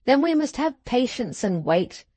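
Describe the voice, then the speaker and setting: A woman voicing a brisk, blunt, loyal middle-aged Englishwoman servant in a storybook, emphatic and forthright. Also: fairly high pitch, very animated, dark tone, dry recording, pitched above the performer's own voice. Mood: briskly stoic.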